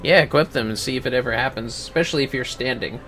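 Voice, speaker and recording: A man's voice: medium pitch, fast talker, music in the background. A man giving casual, offhand game livestream commentary, muttering asides to himself as he plays. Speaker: game streamer.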